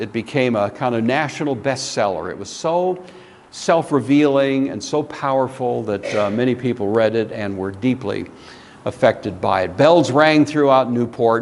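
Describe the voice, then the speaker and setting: A man's intonation is lively, with noticeable noise in the background. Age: 70s. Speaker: Sunday school teacher. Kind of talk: lecture. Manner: casual, with many filler words.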